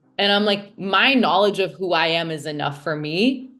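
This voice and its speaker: With music in the background, a woman with an American accent talks at a moderate pace with ordinary pitch variation. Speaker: marketer and stand-up comedian. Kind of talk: interview conversation.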